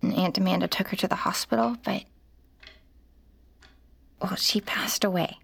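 An actress playing a weary mother who works at a hospital and narrates her story in a halting, strained way. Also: medium pitch, fairly even intonation, creaky, husky, in a whisper. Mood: gentle. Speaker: narrator and lead character. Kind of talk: audio drama acting with narration.

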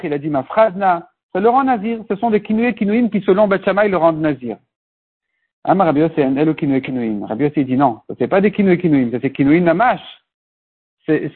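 A man with a high, husky voice leads a Talmud lesson. He works through each term patiently, slipping in Hebrew and Aramaic words. The recording sounds thin and phone-like. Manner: explains step by step, mixes Hebrew and Aramaic terms. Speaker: Talmud teacher. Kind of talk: Talmud class explanation.

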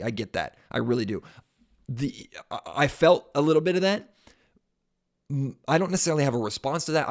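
A man hosting a sports podcast, hoarse and congested from a cold, with a raspy voice, chatting casually and mocking himself now and then. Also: mid-range voice. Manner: self-mocking, chatty, restarts sentences.

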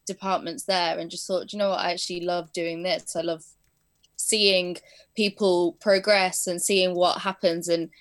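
In a casual interview, a young woman guest describes her performing arts teaching and editing work. English-born and raised in southern Spain, she has an English accent and a lowish voice, delivered flatly at a moderate pace, with fillers and light laughs.

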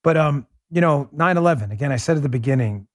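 A middle-aged man hosting a political talk podcast, speaking emphatically into a studio microphone, calling his listeners folks and dropping his voice low for emphasis. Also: expressive, fast, dry recording. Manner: emphatic, swings loud and quiet for emphasis; addresses listeners directly as folks. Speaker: podcast host. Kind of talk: political talk show monologue.

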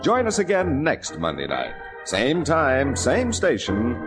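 A man's voice: medium pitch, huge pitch swings, slow. A man with an American accent reading ads and credits as an old-time radio announcer, polished and emphatic. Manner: polished, emphatic sales delivery, spelling out words. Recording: vintage radio broadcast with music behind. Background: music.

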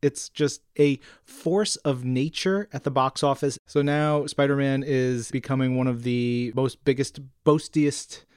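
A man's voice: medium pitch, fairly even intonation, measured pace, few pauses, darkish tone, clean tone, no echo, clean studio sound. A man co-hosting an entertainment podcast, chatting in an upbeat, playful way with emphatic hype. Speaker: podcast co-host. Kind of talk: upbeat co-hosted podcast chat about comics and entertainment.

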